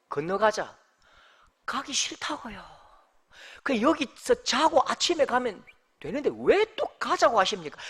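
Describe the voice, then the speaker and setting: Male pastor, high lively voice, jokey sermon delivery full of questions. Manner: animated, humorous, rhetorical questions.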